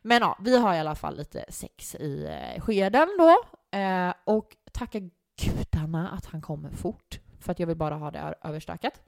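A young woman tells a story in relaxed podcast chat. She acts out the quoted voices as she goes. The recording is dry and close, with no room sound. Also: fairly low pitch, few pauses, dry recording. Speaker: guest. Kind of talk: casual storytelling.

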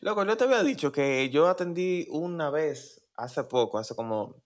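A man's voice: a little high, lively intonation, moderate pace. A man with a Dominican accent, telling stories and bantering in slangy casual talk as a podcast co-host. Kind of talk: casual storytelling chat.

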